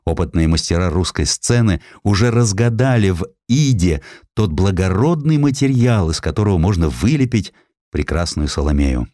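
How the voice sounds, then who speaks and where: A man with a deep voice narrates a literary piece of history. His delivery swings widely in pitch and is theatrical, shaped by dramatic pauses. The sound is dry and close, as from a studio microphone. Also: a little mellow, no echo. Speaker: audiobook narrator.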